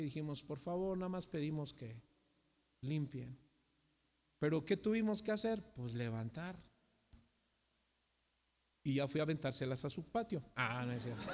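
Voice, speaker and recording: A middle-aged man with a Mexican accent preaches a sermon in a church hall. His voice sits high and rings out with long reverb, and he keeps turning to the congregation with rhetorical questions, swinging from loud to hushed. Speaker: pastor.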